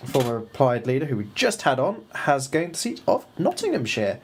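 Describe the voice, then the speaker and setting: A man's voice: medium pitch, huge pitch swings, moderate pace, slight background noise. A man hosting a casual live election stream, rambling through results with fillers and restarts.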